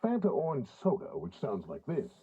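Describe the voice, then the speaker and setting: A man's voice: mid-range voice, wildly swooping pitch, moderate pace, mellow. A man doing polished, theatrical voice-over for vintage radio commercials. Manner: polished, theatrical announcer delivery. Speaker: voice actor. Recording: muffled, band-limited old demo tape. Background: music beds.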